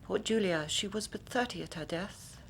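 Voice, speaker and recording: In a period radio drama, an actress with a husky, mid-range voice plays a grave young Victorian woman, a client telling her story. She speaks in measured, formal sentences, at times sinking to a hushed whisper.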